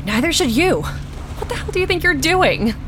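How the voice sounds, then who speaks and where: A woman's voice: high voice, very animated, moderate pace. A woman acting in an audio drama as an exasperated, protective young woman who also narrates in the first person. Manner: exasperated, sighing. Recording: engine and outdoor ambience noise.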